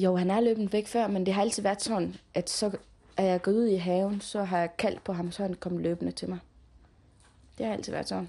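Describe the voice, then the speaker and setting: Over a quiet background, a woman speaks at a moderate pace in a dark, mellow tone. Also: medium pitch for a woman. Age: 20s. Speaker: resident looking for lost cat. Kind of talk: interview.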